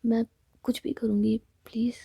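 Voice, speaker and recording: A woman voicing a heartbroken young woman who pleads softly and sounds close to tears. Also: a little high, level tone, normal speed, gravelly, husky, no room sound, heavily acted. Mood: pleading. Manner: pleading, tearful, soft. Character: young woman heartbroken over her lover.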